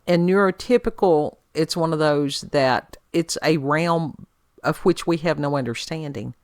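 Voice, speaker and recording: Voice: mid-range voice, a little slow, no echo. Rambling podcast co-host, dry close sound. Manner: rambling, changes direction mid-sentence. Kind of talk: casual conversational chat.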